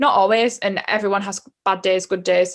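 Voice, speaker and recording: The delivery moves at a fairly quick pace. The recording is very clean, with a silent background. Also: woman. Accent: Northeast English. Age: 20s. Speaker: paediatric nurse. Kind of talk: personal testimony to camera. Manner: hesitant, many fillers.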